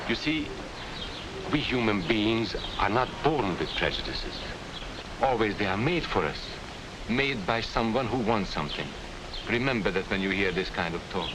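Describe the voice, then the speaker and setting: An earnest Hungarian-accented professor. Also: male voice, fairly low pitch, very animated, normal speed. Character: calm, earnest male immigrant professor. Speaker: former professor. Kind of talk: 1940s film acting. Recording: hissy 1940s film soundtrack.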